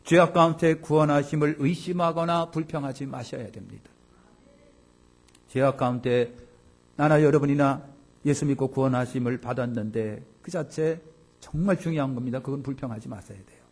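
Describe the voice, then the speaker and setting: Emphatic Korean pastor preaching. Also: male voice, normal speed. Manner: emphatic, swings between loud exclamations and low asides; acts out complaining voices of the congregation. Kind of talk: Sunday sermon.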